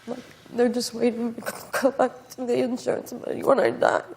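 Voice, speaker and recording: A woman's voice: on the high side, level tone, moderate pace, darkish tone, breathy edge. A woman with slurred, medicated-sounding speech, talking about herself as a guest in a talk show interview.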